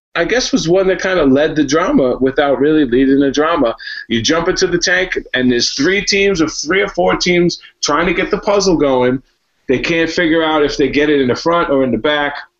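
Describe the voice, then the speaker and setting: In a normal speaking voice, a man with an American accent talks at a fairly quick pace and fairly high pitch, with ordinary pitch variation and very even loudness. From New York. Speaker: podcast host, former reality show contestant. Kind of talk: casual chat.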